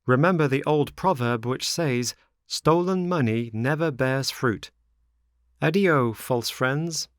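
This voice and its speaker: A man's voice: mid-range voice, takes it slowly, no room sound, clean studio sound, pitched above the performer's own voice, lightly acted. A man voicing an earnest little boy marionette in a storybook reading, with an emphatic, declamatory way of speaking. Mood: scornful. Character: earnest, grateful little boy marionette, scolding when wronged.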